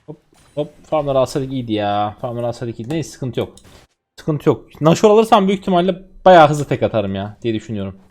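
A man in his twenties from Turkey, a streamer chatting excitedly to viewers while commentating his own gameplay. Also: mid-range voice, fairly quick. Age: 20s.

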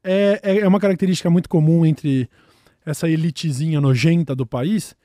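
A man's voice: a little high, steady tone, brisk, dark tone, dry recording, studio quality. A man with a Brazilian Portuguese accent hosting a casual comedic talk show, blunt, slangy and sarcastic. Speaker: podcast host.

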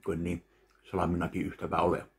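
A man in his thirties from Finland, casually tasting and judging candies at home, talking slowly between bites. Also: deep voice, completely flat delivery, gravelly. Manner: slow, chewing between remarks. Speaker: candy taste-test vlogger. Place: home kitchen, indoors. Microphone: webcam at desk distance.

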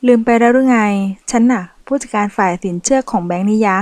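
A woman's voice: on the high side, fast talker, a little mellow, no room sound, lightly acted. A woman reading a novel aloud, voicing a sassy, boastful transgender woman who manages loans at a bank. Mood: teasing. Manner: brash, teasing, boastful.

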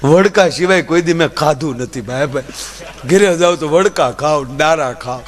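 A Gujarati folk comedian performs comic folk stories on stage before an audience as stand-up storytelling. He tells them in a lively way, acting out the voices of the characters, in a fairly high male voice at a moderate pace.

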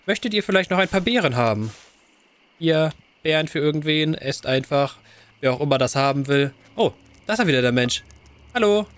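Excitable lively German gamer man. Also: on the high side, brisk. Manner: excitable, cooing at the game's fox cubs. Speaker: let's play gamer. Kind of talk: game commentary.

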